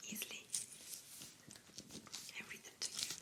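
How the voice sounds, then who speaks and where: Someone whispers over noticeable background noise. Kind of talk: ASMR soft-spoken reading and chat. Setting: close microphone, studio-like home recording. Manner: soft-spoken, gentle, comforting.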